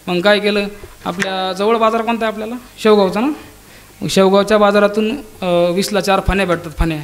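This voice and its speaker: A man's voice: high voice, steady tone, slight background noise. A man preaching a devotional kirtan, telling a saint's story with acted dialogue and sung verses. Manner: dramatic storytelling, voicing characters' dialogue; breaks into slow sung abhang verses. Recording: live kirtan with tabla and instruments behind.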